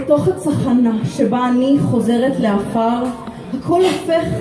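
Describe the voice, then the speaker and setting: A woman speaks at a very slow pace in an intense, dramatic tone. Crowd noise fills the background. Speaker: spoken word poet. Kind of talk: spoken word poetry. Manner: intense, dramatic, deliberate delivery; confessional, raw, building to defiant close. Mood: dark, intimate, confessional. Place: bar. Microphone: camera far.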